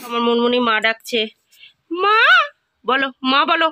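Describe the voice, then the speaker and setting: Woman, home vlogger, coaxing sing-song baby talk, high-ish voice, very lively pitch. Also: a little slow, noisy background. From West Bengal, India. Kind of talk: casual home vlog, talking to a pet bird.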